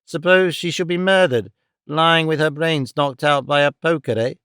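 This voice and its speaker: A man's voice: a little high, moderate pace, fairly bright tone, smooth, dry recording, studio quality, close to an everyday voice. A man voicing a panicky old miserly moneylender who shrieks and wails. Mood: fretful. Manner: shrieking, wailing.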